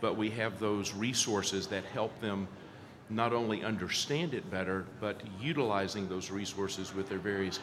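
A man talks at a moderate pace in an ordinary speaking voice. His pitch sits fairly low, with fairly even intonation. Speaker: benefits board leader. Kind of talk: informational interview.

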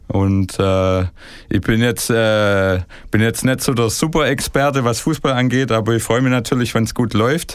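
A man with a strong Swabian accent speaks at a fairly slow pace and a medium pitch. His loudness is very even, and his pitch variation is ordinary. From Swabia, Germany (Schorndorf). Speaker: musician. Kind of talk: casual chat.

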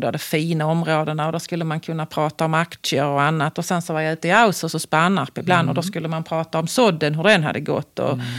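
A woman speaks at a fairly quick pace with a very deep, low pitch. Noticeable background noise is present. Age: 40s. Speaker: care sector manager. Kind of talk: casual interview. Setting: studio.

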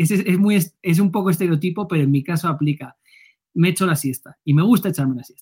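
Speaking very fast in a Spanish accent, a man with a high voice shows ordinary pitch variation and big swings in loudness. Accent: Spanish (Spain). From Spain (Guadalajara, Madrid). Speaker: tech company education lead. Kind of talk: casual interview.

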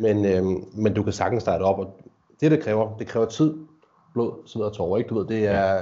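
A man speaks at a moderate pace. His pitch is fairly low, with ordinary pitch variation. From Denmark, Køge. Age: 20s. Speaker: entrepreneur. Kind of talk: interview. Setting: studio. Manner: halting, many filler sounds.

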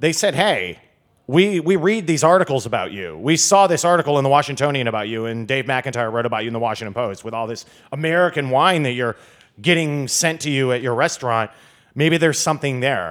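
With lively intonation and a fairly quick pace, the speaker uses an ordinary speaking voice. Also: man, medium pitch for a man. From Michigan. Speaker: wine sales and marketing professional. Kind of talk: casual chat. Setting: studio.

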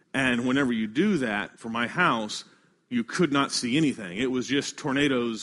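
A man with an American accent speaks in an ordinary speaking voice at a medium pitch. His pace is moderate and his pitch varies in an ordinary way, against a quiet background. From US Midwest, Kansas City. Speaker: pastor. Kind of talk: sermon. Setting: church.

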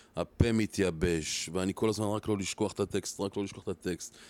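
A man's fairly low voice, a normal speaking voice, at a moderate pace with fairly even intonation. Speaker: actor. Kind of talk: casual chat. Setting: studio.

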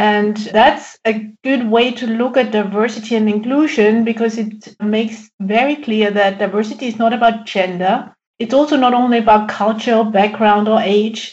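A somewhat breathy woman with a German accent and a fairly high pitch talks at a moderate pace, her intonation fairly even and her speech carrying hardly any pauses. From Austria. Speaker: company executive. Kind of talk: interview.

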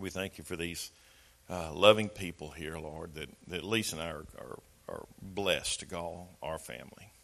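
Here a man speaks with a very deep, low pitch and ordinary pitch variation. His loudness swings widely at a moderate pace. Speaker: church member leading prayer. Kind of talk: spoken prayer, sincere and halting.

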